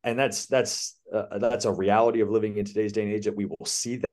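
A male athletic director, a guest on an interview podcast, with a somewhat low voice. He explains his ideas fluently and with conviction, building point after point. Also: flat delivery, a little fast, a little mellow. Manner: confident, explanatory, speaks in flowing points. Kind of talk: casual interview answer.

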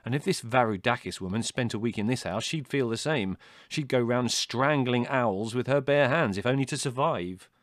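A man's voice: mid-range voice, normal speed, no echo, studio quality, pitched above the performer's own voice, natural voice. A man voicing an irascible young older brother in an audiobook, biting, sarcastic and theatrically indignant. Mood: scornful. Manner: biting, withering, exaggerated indignation. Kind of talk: audiobook character dialogue.

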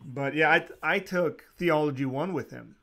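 A man hosting a casual interview, talking in a relaxed, rambling way with frequent restarts and small laughs. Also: a little high, normal speed, a little hiss or hum. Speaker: podcast host.

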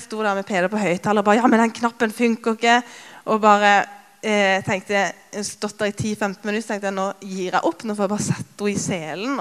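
A woman in her thirties giving a conversational sermon with personal stories, with many filler sounds, and lively when she retells scenes. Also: medium pitch. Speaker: preacher. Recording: long reverb of a large hall.

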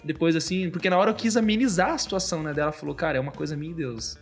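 A young man with a Brazilian accent shares a personal faith story as a guest. He talks at a rapid clip in a casual way and keeps dropping "cara" into his sentences. Faint music plays softly underneath. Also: on the high side, gravelly. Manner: fast, fills speech with "cara". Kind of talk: casual testimony.

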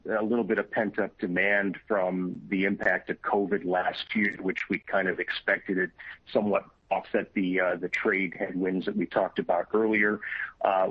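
A company executive, a man, answers on an earnings call in a very low, even voice. The sound is dull and lo-fi, like a conference line. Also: breathy edge, no echo.

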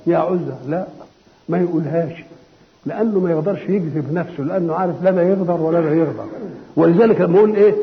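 Older man, Egyptian accent, high voice, conversational Quran commentary, slow solemn verse recitation, dull lo-fi sound. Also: creaky. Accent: Egyptian Arabic. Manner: conversational, asks and answers his own questions. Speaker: Islamic scholar giving Quran commentary. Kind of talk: colloquial Quran exegesis lecture. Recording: dull lo-fi recording with long hall reverb.

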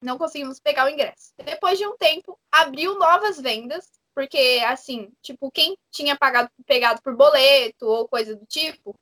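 A young woman, chatting as a guest and telling a story in an animated, chatty way full of fillers. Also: high voice, moderate pace, hardly any pauses. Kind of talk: casual storytelling chat.

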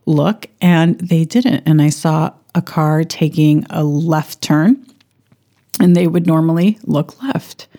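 A woman with a lowish voice talks through a self-help podcast episode. Her tone is mellow and warm, reflective and coaching. She often restarts and repeats phrases as she thinks aloud. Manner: reflective, coaching tone with personal anecdotes. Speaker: podcast host.

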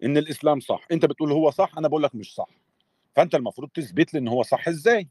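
A man's voice: a little high, racing, darkish tone, husky, dry recording, studio quality. An Egyptian man in an online voice-room debate, firing challenging questions at his opponent and cutting in. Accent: Egyptian Arabic. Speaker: skeptic debater.

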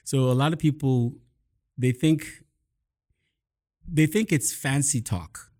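A man hosting a casual chat, explaining mindset habits in an upbeat, quick way. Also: mid-range voice, dark tone. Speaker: host and mindset coach.

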